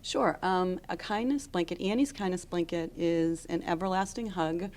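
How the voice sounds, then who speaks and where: A woman giving unscripted interview answers as a charity founder, explaining earnestly and haltingly. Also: lowish voice, a little mellow. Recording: on-location audio with background noise.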